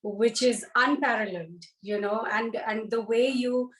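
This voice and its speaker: A woman's voice: fairly high pitch, fairly even intonation, measured pace, fairly bright tone. A woman from India, a guest in a conversational interview, speaking earnestly with frequent fillers.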